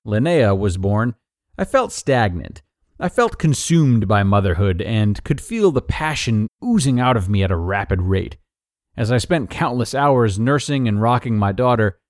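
A man narrates a written advice piece in a medium-pitched voice. His delivery is upbeat and neatly phrased, with plenty of melodic movement. The sound is dry, with very little room in it. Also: no echo. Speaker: narrator reading blog articles aloud. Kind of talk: scripted narration of a personal advice article.

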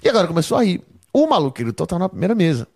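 Comedian guest, young man, slightly high voice, rapid animated storytelling. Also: vocal fry. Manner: animated anecdotes, heavy swearing. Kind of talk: casual podcast storytelling.

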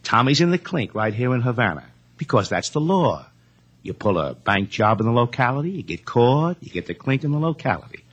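A man's voice: mid-range voice, sing-song, brisk, slightly rough, lo-fi sound. A man playing a brash, needling comedian and schemer in a 1950s radio drama, wisecracking and pushy, repeating himself. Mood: sly, menacing.

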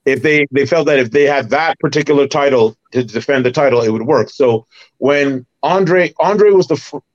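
A middle-aged man from Barbados, a former wrestler and promoter, recalling his career in an animated, detailed way as a podcast guest. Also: mid-range voice, normal speed, lo-fi sound. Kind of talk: casual interview storytelling.

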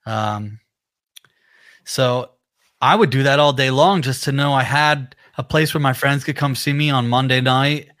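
Here a male musician co-hosts a live-streamed casual chat, his nasal, mid-range voice carrying a slight brightness. He talks a little slowly, wandering from point to point in an easygoing manner packed with fillers.

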